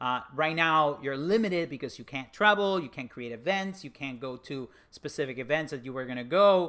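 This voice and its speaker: A man with a fairly high pitch and a bright, sharp tone talks at a fairly quick pace with lively intonation in a Spanish accent. The recording is very clean, with a silent background. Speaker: podcast host, marketing agency CEO. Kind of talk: interview.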